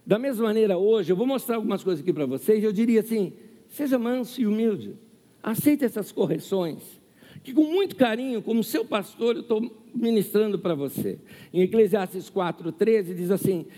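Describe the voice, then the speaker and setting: A man's voice: sits high, normal speed, mellow. A man preaching a sermon as pastor to his congregation, with rhetorical questions and acted quotes. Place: church hall. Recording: long hall reverb.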